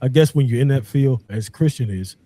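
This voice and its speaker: A man's voice: medium pitch, fairly quick, dark tone, no room sound. A man hosting a call-in show in a casual, easygoing, colloquial way. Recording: noisy, with crowd-like background sound.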